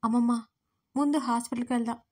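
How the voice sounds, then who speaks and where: A woman reading the lines of a worried young man who speaks in a hurried, anxious way. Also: on the high side, fairly even intonation, close to an everyday voice.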